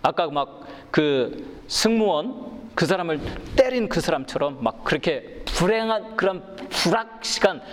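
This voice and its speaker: Man, middle-aged pastor, preaching sermon, fairly high voice, long reverberant hall, animated delivery. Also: unhurried, slight background noise. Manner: animated storytelling, acting out quarrels, swings from low calm to loud high emphasis.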